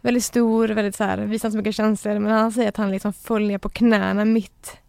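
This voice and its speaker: A woman's voice: mid-range voice, gravelly, no echo, clean studio sound. A woman guest telling a personal story in casual chat, acting out the people she quotes. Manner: lively retelling, acts out quoted voices. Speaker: podcast guest.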